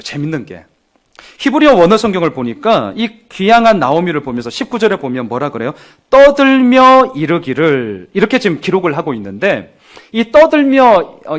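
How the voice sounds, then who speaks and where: Lively high-voiced male pastor preaching. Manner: animated, acts out townspeople's voices, addresses the congregation directly. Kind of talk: sermon. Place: church sanctuary with congregation.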